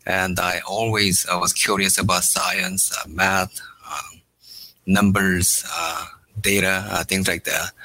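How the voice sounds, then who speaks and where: Halting bright-voiced middle-aged man from South Korea. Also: low voice, poor audio. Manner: halting, many "uh" fillers between short phrases. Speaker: startup founder, guest. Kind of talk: interview answers.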